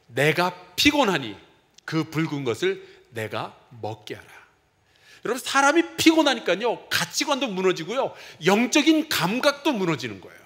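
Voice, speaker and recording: Animated high-voiced male pastor preaching. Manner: conversational preaching with questions to the congregation. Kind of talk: sermon.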